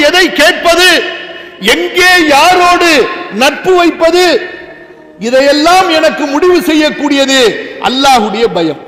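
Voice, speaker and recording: Brief: high, bright-voiced male preacher, fervent and shouting, in a long echoing hall. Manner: impassioned, rising to shouts and chanting Quranic verses. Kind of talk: Islamic sermon.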